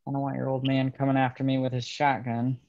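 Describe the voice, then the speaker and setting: A man playing a bitter young railroad worker in a dramatic table read, speaking in a halting, understated way. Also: medium pitch, completely flat delivery, darkish tone, highs cut off, lightly acted. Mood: playful, wry. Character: bitter young railroad man estranged from his ruthless father.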